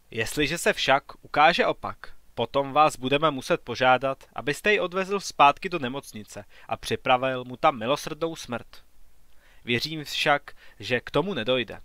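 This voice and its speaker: Man, audiobook narration, medium pitch, even unhurried reading. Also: dry recording. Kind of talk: scripted narration.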